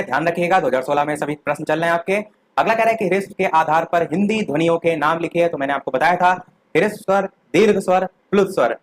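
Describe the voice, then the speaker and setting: Male teacher, revision lecture, higher voice, dry close sound, asks and answers own questions. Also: no echo, poor audio. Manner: explains step by step, asks questions then answers them.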